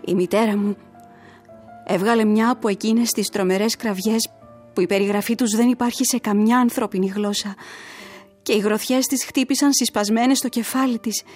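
A woman's voice: a little high, fairly even intonation, darkish tone, soft background music, natural voice. An actress playing a grieving young woman who tells her story earnestly and emotionally, as in a letter read aloud in a radio drama.

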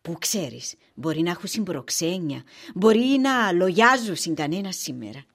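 A reassuring Cypriot Greek niece in a dialect drama. Her voice is rough-edged and husky, with animated pitch and a practical, brisk manner.

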